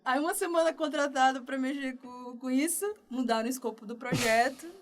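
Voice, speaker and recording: A woman from Northeast Brazil, a developer guest telling her career story in a relaxed, chatty interview. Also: high-pitched, fairly quick. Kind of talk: casual podcast interview.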